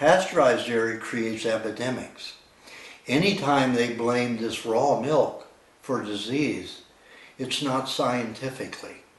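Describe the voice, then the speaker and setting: Over noticeable background noise, a man with a medium pitch talks at a fairly slow pace. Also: ordinary pitch variation. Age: 60s. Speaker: nutritionist. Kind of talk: persuasive testimonial monologue. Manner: animated.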